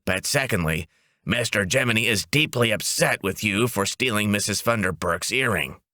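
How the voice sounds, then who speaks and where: Man voicing a brisk, animated wisecracking woman boss. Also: on the low side, dry recording, clean studio sound. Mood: brisk, emphatic. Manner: breezy, emphatic, joking. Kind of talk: comic audiobook dialogue.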